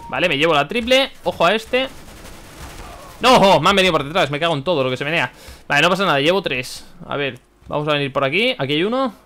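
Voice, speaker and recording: A young man from commenting on his own gameplay, excitable, swearing and shouting at the game. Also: fairly high pitch, quick pace. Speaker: gaming YouTuber.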